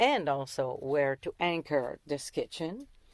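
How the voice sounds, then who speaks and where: A woman speaks with a French Canadian accent on a very clean recording with a silent background. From Quebec, Montreal. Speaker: van conversion DIY vlogger. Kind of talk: casual vlog tutorial. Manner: halting, searching for words.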